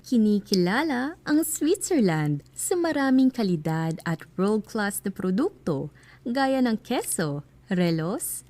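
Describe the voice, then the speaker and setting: A woman's voice: a little high, mellow, no room sound. A woman with a Filipino accent reading scripted explainer narration as a voice-over, in a conversational way that poses questions to the listener.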